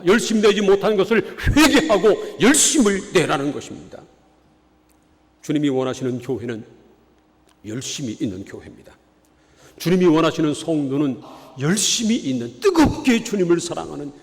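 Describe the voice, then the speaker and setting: A man from the Chungcheong region preaching a sermon as pastor, earnest, with rhetorical questions to the congregation. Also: sits high. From Chungcheong, South Korea. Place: church sanctuary. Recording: long reverb of a church hall.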